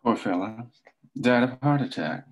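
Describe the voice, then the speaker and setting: A man voicing a cold, controlling man who speaks in curt, quietly menacing lines. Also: medium pitch, expressive, moderate pace, muffled recording, close to an everyday voice.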